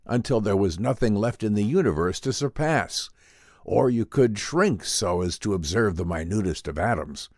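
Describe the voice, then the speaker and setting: Man playing male visionary professor, grandly serious, portentous, formal, deliberate, highly expressive pitch, sci-fi audiobook drama. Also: no echo, studio quality.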